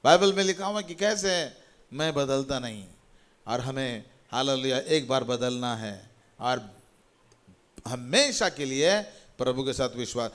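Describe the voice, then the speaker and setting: The voice is a man's, medium in pitch and a bit bright, moving at a measured pace. He is a middle-aged pastor preaching a sermon, exhorting his congregation with repeated phrases and shouts of hallelujah.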